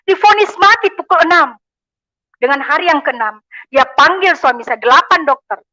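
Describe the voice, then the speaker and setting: A woman's voice: sits high, lively intonation, moderate pace, sharp tone, no room sound. A woman from gives a fervent church testimony, addressing listeners as brothers and sisters. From Makassar, Indonesia. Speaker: testimony speaker. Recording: dull, lo-fi, dry.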